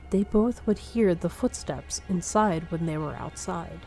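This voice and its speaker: A woman's voice: lowish voice, dark tone, rough recording. A woman narrating a scripted spooky first-person story as the storyteller. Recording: music behind the voice. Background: background music.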